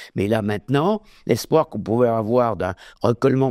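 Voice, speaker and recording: On a very clean, dry, close recording with no echo and a silent background, a man's dark, mellow, medium-pitched voice moves fairly slowly with lively intonation. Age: 80s+. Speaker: history professor. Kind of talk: interview. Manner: hesitant with many fillers.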